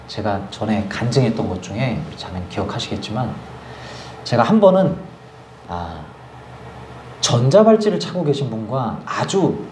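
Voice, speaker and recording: A man preaching a sermon as pastor, telling a personal testimony in a lively storytelling way and acting out his own prayers. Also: medium pitch, roomy sound, slight background noise. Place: church service.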